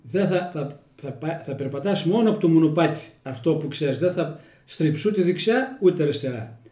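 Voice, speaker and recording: A worried village mother giving her daughter careful instructions, as a man puts her on. She speaks with a Kozani accent in a mellow, dark tone. The room is echoey. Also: on the high side, animated, natural voice. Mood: warning. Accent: Kozani Greek dialect. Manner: warning, instructing.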